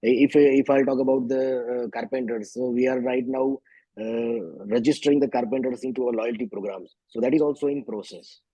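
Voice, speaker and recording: A man with an Indian accent answering as a company executive on an earnings call, halting and often switching between Hindi and English. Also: mid-range voice, steady tone, dark tone, husky. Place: remote conference call. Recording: dull, echoey conference call audio.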